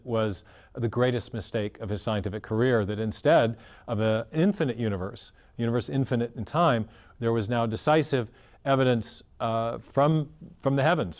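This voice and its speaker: Male guest expert, mid-pitched voice, earnest explainer who restarts phrases. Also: darkish tone. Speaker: guest scholar. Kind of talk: explanatory interview talk.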